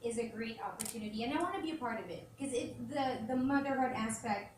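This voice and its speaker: A woman's voice: fairly high pitch, fast talker. A woman speaks candidly and conversationally at a press conference. She laughs easily as she talks. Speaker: radio host, brand ambassador. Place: large event hall. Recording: echoey hall, distant mic, ambient noise.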